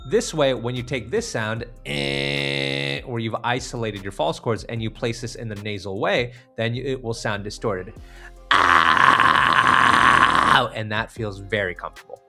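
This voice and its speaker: Guy vocal coach doing a tutorial, bit of fry in his voice, medium pitch, music behind him. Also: fairly quick, few pauses. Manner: demonstrates exercises step by step, direct address. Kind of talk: instructional tutorial narration.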